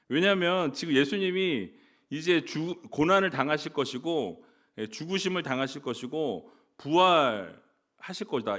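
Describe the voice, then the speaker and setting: 남자 목사가 회중에게 질문을 던지고 "예" 하고 되짚으며 말씀을 풀어 설교한다. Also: male voice, a little high. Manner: asks the congregation questions, fillers like "예". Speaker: pastor. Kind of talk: sermon.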